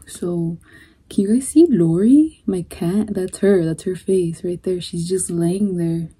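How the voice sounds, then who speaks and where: Slow, husky, mellow-voiced young woman. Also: fairly low pitch. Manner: chatty, unhurried, trailing off with fillers. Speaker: vlogger. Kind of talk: casual mukbang chat. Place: her bedroom.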